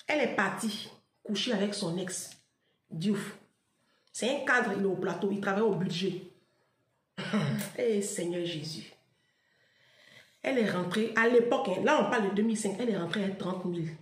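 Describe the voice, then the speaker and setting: A woman with an Ivorian French accent telling a story in an animated monologue, emphatic and chatty, laughing often and peppering her talk with "là" and "hein". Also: mid-range voice, moderate pace, pauses often, roomy sound. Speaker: online commentator.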